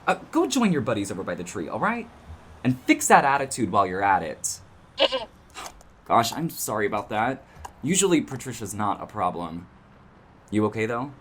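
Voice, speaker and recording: A performer playing a gentle, exasperated young barista cryptid in an audio drama, with mild exclamations and a wry, chatty manner. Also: medium pitch, very animated, normal speed, pauses often, a little hiss or hum. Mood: scolding, then apologetic, friendly.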